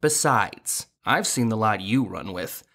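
A woman's voice: a bass voice, animated, unhurried, a bit bright, heavily acted. A woman playing an earnest, slightly prim young male clerk, a dutiful twin brother, in an audio drama. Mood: earnest, weary.

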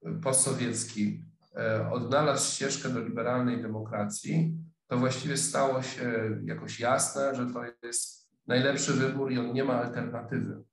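A middle-aged man giving an online lecture on a webcam, speaking thoughtfully with many pauses, fillers and restarts. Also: mid-range voice, steady tone, echoey room, a crowd in the background, rough recording. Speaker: sociologist lecturer. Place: office room, indoors. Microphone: webcam video call.

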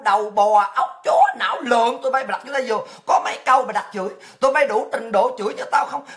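Woman from vietnam ranting on her livestream, insults and rhetorical questions nonstop, sharp tense tone. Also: fairly high pitch. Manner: abusive, mocking tirade with rhetorical questions. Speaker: host of a livestream show. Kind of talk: livestream rant.

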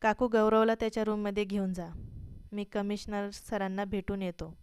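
A woman voicing a stern, quick-tempered elder brother who gives curt orders in a storybook reading. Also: mid-range voice, level tone, darkish tone, clear, resonant tone, no room sound, clean studio sound, lightly acted. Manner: curt, commanding.

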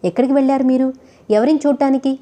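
A woman's voice: on the high side, brisk, warm tone, lightly acted. A woman voicing a heartbroken, deceived young bride who speaks in a bitter, accusing way. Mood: furious.

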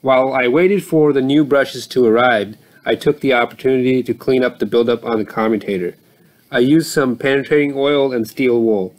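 A repair channel host talks over his footage, explaining a motor repair plainly with occasional fillers. His mid-range voice moves at normal speed, and the recording quality is low.

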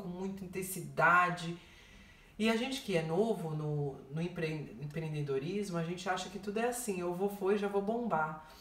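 A woman's voice: lowish voice, roomy sound, distant mic. A woman telling a heartfelt personal story to her viewers, often repeating herself and calling out to them directly. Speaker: vlogger. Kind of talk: emotional personal testimony.

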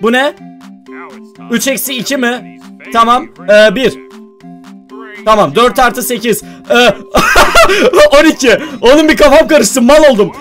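A man's voice: extremely high pitch, measured pace, long pauses, fairly bright tone, faint music behind. A young man doing casual let's-play commentary, talking to his viewers and yelping when he gets scared. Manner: jumpy, talks to viewers, yelps when scared. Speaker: gaming YouTuber.

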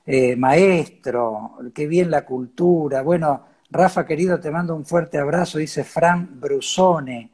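A man in his fifties with a Cordoba Argentine Spanish accent, hosting a conversational interview in a halting manner on a video call. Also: on the high side, darkish tone, slightly rough. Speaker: interview host.

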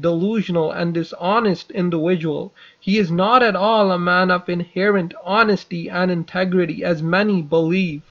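A man's voice: high voice, fairly bright tone. A young man hosting an unscripted commentary video, speaking in an accusatory, formal way with hesitant fillers. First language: not Persian. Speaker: channel host. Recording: dull lo-fi audio.

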